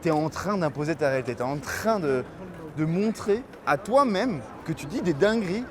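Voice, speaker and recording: A man's voice: fairly high pitch, lively intonation, normal speed. A young man coaching casually on a city street, enthusiastic and slangy, repeating his praise. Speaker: dating coach. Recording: busy street with crowd chatter.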